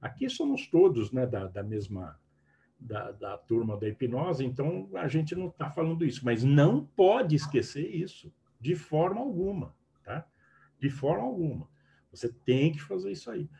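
A man instructs a group on hypnosis, stressing his points and checking in with his listeners. His voice is warm and mellow, sitting fairly high, and it moves up and down a lot. A faint background hum runs under him. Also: expressive, moderate pace, creaky. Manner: emphatic, keeps checking in with the listeners. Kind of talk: teaching in a group call.

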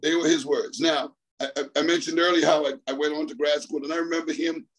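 A man's voice: a little high, fairly even intonation, fast talker. A middle-aged man from the Bahamas, a track coach, telling his story in a rambling way over the phone, repeating himself and laughing often. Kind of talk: storytelling interview on a call.

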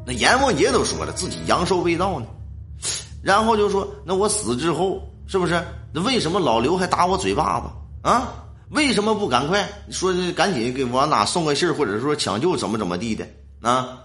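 A man's voice: a little high, sing-song, fairly quick, a bit bright, soft background music. A man telling a ghost story in a colloquial, dramatic way.

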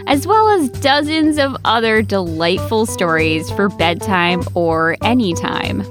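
A woman's voice: mid-range voice, expressive, a little slow, music in the background. A woman reading scripted storybook narration for a children's podcast.

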